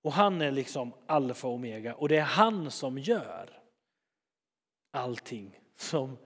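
A man preaching a sermon in a lively, chatty way, retelling stories and acting out scenes. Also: medium pitch, husky, long reverb tail. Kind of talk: sermon, storytelling.

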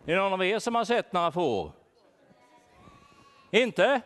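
A worried shepherd, as a man plays him in a church, asks the children one question after another and calls out names. His voice sits high for a man and swoops up and down with plenty of animation. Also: big pitch swings, a bit bright, smooth. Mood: searching, playful. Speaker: children's talk leader. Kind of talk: playful role-play for children.

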